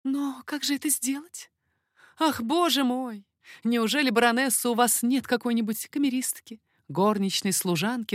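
A woman doing an ardent low-voiced king. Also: no room sound, studio quality. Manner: low, slow, insistent. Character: amorous middle-aged man, a king, confident and ardent.

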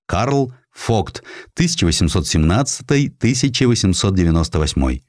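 Low-voiced man narrating with lively intonation. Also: normal speed, no echo. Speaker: audiobook narrator. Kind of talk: scripted narration of a historical essay.

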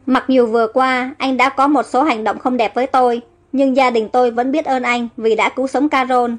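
A woman's voice: high-pitched, steady tone, moderate pace, natural voice. A woman voicing an earnest young man protective of his sister in a storybook reading, over faint background music. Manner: earnest, reassuring. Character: devoted young elder brother, earnest and protective.

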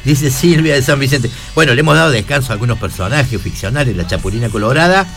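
A man hosting a live radio show with a Córdoba Argentine accent, chatting casually and teasing his co-hosts with quick jokes. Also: medium pitch, animated, vocal fry, a bit bright, faint music behind. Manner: joking, teasing, quick asides. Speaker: radio host. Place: radio studio.

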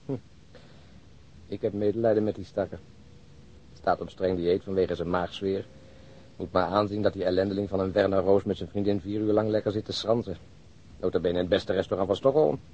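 A man's voice: steady tone, fairly quick, long pauses, a little mellow, slightly rough. A man acting a weary, grumbling policeman in a Dutch radio drama, down-to-earth and exasperated. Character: weary, grumbling but practical male policeman. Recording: dull, rumbling, noisy lo-fi recording.

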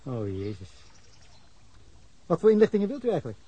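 A man's voice: on the high side, huge pitch swings, a little fast, warm tone, husky, dry recording, dull audio, full character voice. An actor playing a wary male journalist being questioned by police in a radio drama. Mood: guarded. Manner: guarded, dismissive.

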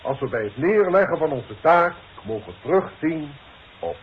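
A man's voice: on the high side, sing-song, moderate pace, husky, heavily acted. A male actor playing a formal, paternal boss, giving solemn, oratorical speech in a 1960s radio drama. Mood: solemn, proud. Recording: dull 1960s radio recording.

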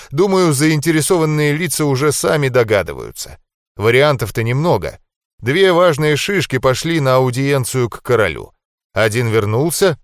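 Male audiobook narrator, calm and measured, mid pitch, dry close recording. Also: dry recording. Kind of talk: first-person audiobook narration.

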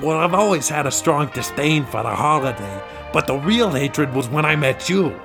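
A man playing a gravelly, bitter landlord. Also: a little high, animated. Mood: bitter, sardonic. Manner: dry, deliberate sarcasm. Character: bitter, sardonic male landlord who hates Christmas. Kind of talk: comedy radio skit. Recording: music playing behind the voice.

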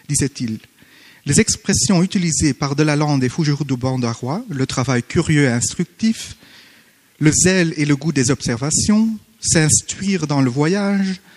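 A man who is not a native French speaker, formally reading a conference paper with hesitant pauses and self-corrections. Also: a little high, darkish tone, big-room sound. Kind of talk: academic conference paper read aloud. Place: conference hall.

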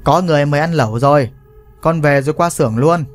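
A man's voice: a little high, quick pace, soft background music, lightly acted. A man voicing a brash, short-tempered young village man who talks curtly and cockily. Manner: curt, cocky.

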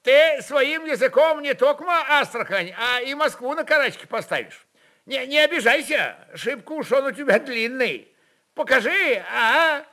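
A man's voice: extremely high pitch, animated, a little slow, bright, forceful tone, pitched above the performer's own voice, heavily acted. A man playing a sly, sarcastic Cossack who needles with mock curiosity in a literary radio performance.

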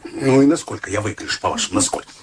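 An actor playing a prickly, mock-gallant middle-aged accountant in a radio play, wry and courtly in manner. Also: male voice, fairly low pitch, expressive, rapid-fire, slight background noise, close to an everyday voice.

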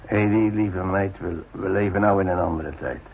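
Gravelly old working-class father, muffled radio. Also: deep voice, steady tone, moderate pace. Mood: rueful, reflective. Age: older. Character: gruff, stubborn old working-class father, retired workman. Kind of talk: radio play acting. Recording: muffled narrow-band old radio recording with hiss.

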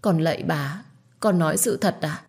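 A woman's voice: sits low, normal speed, darkish tone, husky. A woman voicing a frightened young servant girl who pleads timidly and humbly. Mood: fearful pleading.

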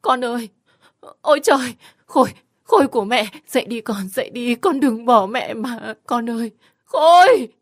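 A man voicing a grief-stricken village mother who wails frantically for her dead son, in high, desperate cries. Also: moderate pace, dry recording, studio quality. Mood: wailing. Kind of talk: storytelling.

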